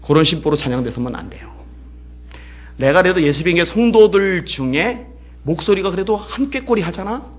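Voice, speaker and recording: A man preaching as pastor, telling a story and swinging between hushed passages and loud, emotional peaks. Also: high-pitched, animated, brisk, breathy edge. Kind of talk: sermon. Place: church.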